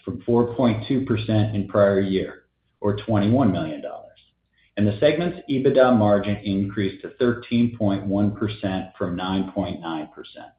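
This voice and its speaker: A man with a fairly low voice delivers a scripted corporate earnings report. He reads prepared figures in a formal, businesslike way as a finance executive. The recording is echoey and slightly dull, like conference call audio.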